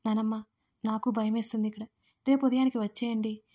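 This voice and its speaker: A woman's voice: on the high side, level tone, brisk, mellow, lightly acted. A woman voicing a frightened young woman who pleads in an audio story. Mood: tearful. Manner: fearful, pleading.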